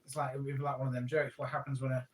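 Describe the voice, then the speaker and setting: A man's voice: medium pitch, level tone, racing. A man chatting as co-host, dry and self-deprecating, teasing and joking. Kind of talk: casual chat.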